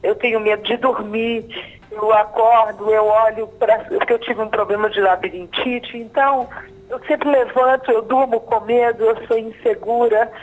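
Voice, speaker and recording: A woman in her fifties calling in live to a TV program, halting and repeating herself as she tells of her fears. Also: a little high, fairly even intonation, low-quality recording. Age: 50s. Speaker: caller. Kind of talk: live phone call to a TV program.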